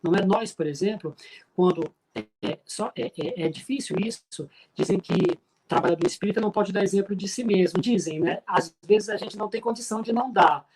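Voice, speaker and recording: A middle-aged man from Pará, Brazil, with a regional accent, giving an emphatic, preacher-like spiritist talk with frequent filler pauses. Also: sits high, a little mellow, slightly rough, low-quality recording. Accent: Brazilian Portuguese from Pará. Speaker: spiritist speaker.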